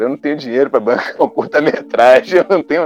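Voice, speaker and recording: A fairly high-pitched male voice at a fairly quick pace, with noticeable background noise. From Brazil, not the Northeast. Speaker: writer and journalist. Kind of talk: casual interview chat. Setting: remote online call.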